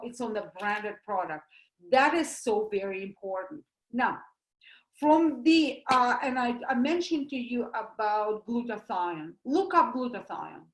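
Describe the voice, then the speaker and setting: A woman with a Russian accent giving an animated, emphatic health talk, explaining things through everyday comparisons. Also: fairly high pitch, roomy sound, low-quality recording. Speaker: doctor giving a presentation.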